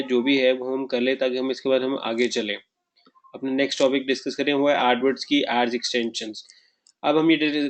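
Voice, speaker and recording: A man teaching a live online marketing webinar, often asking his class questions and mixing English terms into his explanations. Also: mid-range voice.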